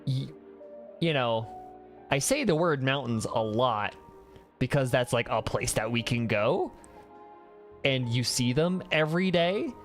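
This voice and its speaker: A man's voice: mid-range voice, lively intonation, measured pace, long pauses, soft background music. A young man from Colorado with a Coloradan accent, chatting casually as a streamer while playing, rambling with restarts and swearing.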